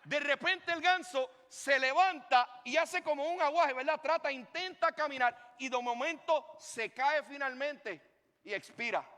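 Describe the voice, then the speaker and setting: A pastor preaching a sermon, a man with a high, bright voice. He tells his story with lively swings and asides to the congregation. His voice rings out in a hall with a long reverb. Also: a little slow. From Puerto Rico.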